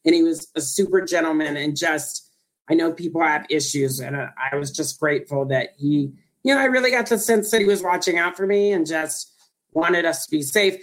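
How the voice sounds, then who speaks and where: A woman with a Southern US accent, hosting a casual chat show and telling a lively story. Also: sits low, a little fast. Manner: animated storyteller acting out quoted dialogue. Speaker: podcast host.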